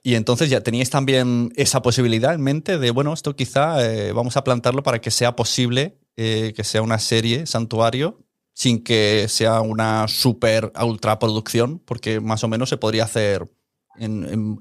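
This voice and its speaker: A man's voice: medium pitch, steady tone, normal speed, dry recording. Man, Spain accent, mid-range voice, casual interviewer, conversational, very dry sound. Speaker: podcast host, interviewer.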